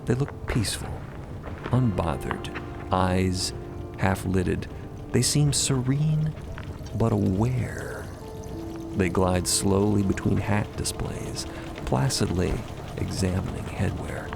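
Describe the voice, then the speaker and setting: Slow, gravelly, low-voiced male narrator. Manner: measured, atmospheric, deliberate. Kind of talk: dramatic scripted story narration. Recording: loud music bed behind the voice.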